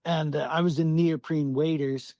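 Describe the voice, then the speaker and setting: A man's voice: fairly high pitch, steady tone, normal speed, warm tone, dry recording. A man from Southwest Alaska, a podcast guest telling a hunting story in casual, profane storytelling, acting out his own thoughts. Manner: salty, swears freely, acts out his own thoughts.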